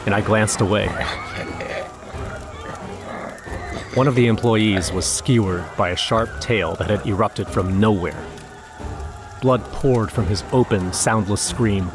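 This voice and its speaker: Actor as male horror narrator, lower pitch, grim, shaken, scripted first-person storytelling, music bed underneath. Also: close to an everyday voice.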